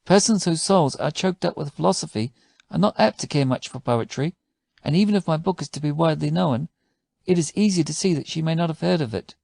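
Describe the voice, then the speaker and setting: Storybook poet played by a male reader: male, earnest, argumentative, formal diction, gravelly, slightly high register. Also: brisk, darkish tone, no room sound. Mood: regretful. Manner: formal, old-fashioned phrasing.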